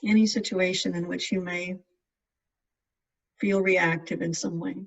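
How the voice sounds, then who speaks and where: A meditation guide with a mid-pitched voice leads a practice in gentle, measured phrases with space between them. The recording is muffled and sounds as if the mic is some way off. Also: flat delivery, gravelly. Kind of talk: guided meditation, scripted instruction. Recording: distant mic, dull lo-fi sound.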